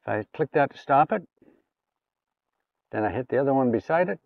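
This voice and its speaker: A man's voice: medium pitch, animated, fairly quick, gravelly, dry recording, far from the mic. A man giving a casual hands-on gadget demonstration, talking through each step aloud in an informal way. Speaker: gadget reviewer. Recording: phone-like, thin sound, off the mic.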